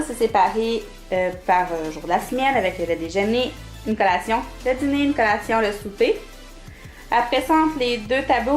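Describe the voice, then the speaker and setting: A young woman with a Québécois French accent, chatting casually as she shows off her planner, with lots of fillers and little laughs. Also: on the high side. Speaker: planner vlogger. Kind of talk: casual show-and-tell.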